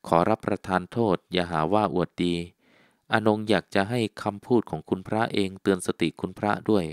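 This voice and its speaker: A man reading the lines of an earnest, devoted young woman in an audiobook, speaking softly and sweetly. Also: low voice, fairly even intonation, normal speed, dry recording, clean studio sound, close to an everyday voice. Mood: tender. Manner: soft, gentle and sweet.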